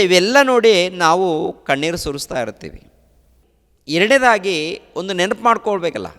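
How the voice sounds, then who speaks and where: A man's voice: a little high, a bit bright, smooth, in a large hall. Man preaching in emphatic repetitive phrases. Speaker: pastor. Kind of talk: sermon.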